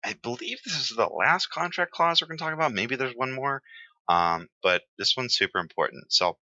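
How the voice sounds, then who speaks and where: A man teaching real estate exam terms in a relaxed, chatty lecture, with many fillers and pauses. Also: medium pitch, no echo, highs cut off.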